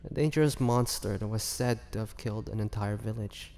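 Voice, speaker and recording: A man playing a weary, bitter young half-vampire prisoner in a dramatic audio roleplay, speaking haltingly and sorrowfully. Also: lowish voice, gravelly, darkish tone. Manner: slow, halting, sorrowful delivery with sighs and pauses. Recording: long hall reverb, faint noise.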